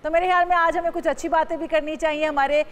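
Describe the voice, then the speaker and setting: A woman's voice: very high voice, fairly even intonation, fast talker. A woman with a Pakistani accent hosting a television interview, speaking politely and respectfully to a guest. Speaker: TV morning show host. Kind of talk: broadcast interview.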